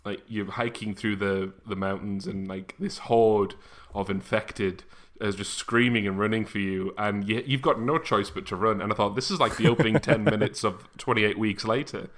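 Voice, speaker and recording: A man's voice: fairly low pitch, steady tone, normal speed, hardly any pauses, a bit bright. A man hosting a podcast, chatting casually as he interviews a guest. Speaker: podcast host.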